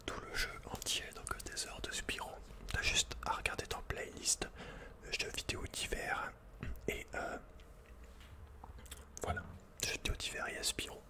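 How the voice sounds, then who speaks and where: A man with a French accent whispering casual, intimate ASMR video game commentary in a breathy, unvoiced voice, speaking informally to the listener. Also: unhurried, long pauses. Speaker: ASMR gaming host.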